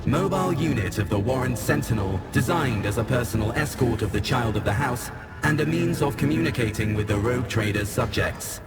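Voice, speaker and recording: A booming, metallic robot sentinel, speaking in clipped, dutiful reports. Its gravelly machine tone sits mid-range for a man. Loud game music plays underneath. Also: animated, brisk, long pauses. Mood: cold, dutiful. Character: mechanical male guardian sentinel unit.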